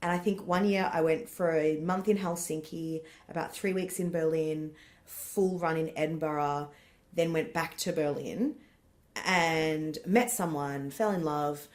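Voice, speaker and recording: A woman's voice: sits low, steady tone, measured pace. An Australian woman in her thirties, a comedian chatting as a podcast guest, rambling with lots of laughter. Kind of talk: casual interview chat.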